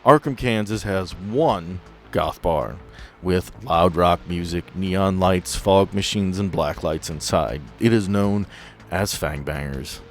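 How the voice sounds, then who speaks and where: A man's voice: sits low, slow pace, a little hiss or hum. A man acting as game master, improvising narration for a tabletop roleplaying game.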